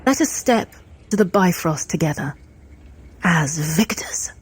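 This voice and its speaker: An actress playing an earnest, solemn ally of Norse gods, speaking formally and reverently in an audio adventure. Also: female voice, fairly low pitch, lively intonation, a little slow, slightly rough, dry recording, full character voice. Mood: proud, warm. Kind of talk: dramatic audio adventure acting.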